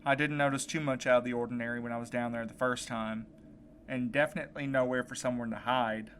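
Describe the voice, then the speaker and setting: A man's voice: mid-range voice, steady tone, fast, a bit bright, a little hiss or hum, lightly acted. A man acting in an audio drama as an earnest, anxious man set on a rescue, speaking with urgency. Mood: earnest, uncertain. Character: determined, anxious young man set on rescuing his friend.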